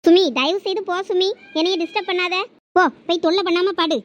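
A woman's voice: very high-pitched, steady tone, brisk, muffled recording. A woman playing a young bride who cries the night before her wedding, in a village drama skit. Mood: pleading. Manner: tearful, pleading.

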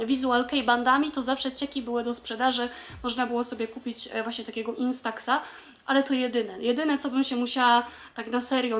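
A woman's voice: sits high, fairly bright tone. A young adult woman from Poland explaining things in a casual, chatty vlog, with lots of filler sounds. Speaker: vlogger explaining Japanese.

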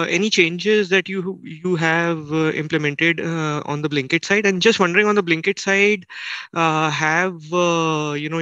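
A man speaking as a financial analyst, asking halting questions on an earnings call. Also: on the high side, pushed and bright, clear, resonant tone, no echo, highs cut off. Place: conference call.

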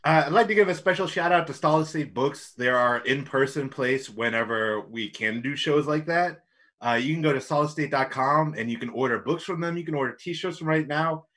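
A man's voice: on the high side, a little fast, a bit bright. A man co-hosting a virtual comedy show over a video call, easygoing and hedging as he talks. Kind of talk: casual banter and sign-off.

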